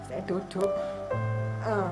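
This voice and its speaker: Speaking slowly over music, an elderly woman in her seventies with an East Javanese accent testifies at a worship service. Her voice is medium-pitched, and she acts out her prayers as she recounts what happened.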